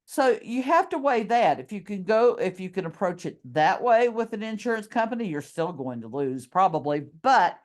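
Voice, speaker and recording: A middle-aged woman teacher who is losing her voice, slowly talking her class through each step of a screen-recorded tutorial. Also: mid-range voice, sing-song.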